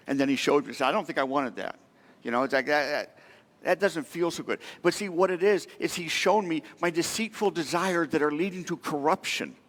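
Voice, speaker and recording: A man's voice: a little high, brisk, a bit bright, in a large hall. A middle-aged man preaching a sermon as pastor, speaking in a conversational, emotional way and asking the congregation many questions. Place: church sanctuary.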